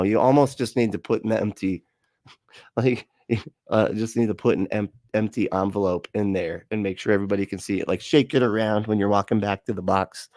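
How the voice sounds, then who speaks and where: A man's voice: lowish voice, a little mellow, dry recording, studio quality. A man giving casual, sarcastic commentary on a clip, laughing often. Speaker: host.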